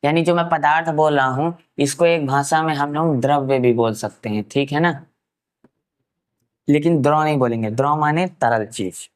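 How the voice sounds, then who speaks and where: A man from Uttar Pradesh giving a science lesson, asking rhetorical questions and answering them himself, and slowly repeating key terms for note-taking. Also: a little high. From Uttar Pradesh, India. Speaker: science teacher. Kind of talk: classroom science lecture.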